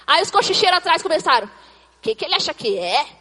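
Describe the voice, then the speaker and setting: A woman playing an excitable, chatty mother in a comic church sketch, retelling events dramatically with quoted asides. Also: high voice, fast, in a large hall, full character voice. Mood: excited.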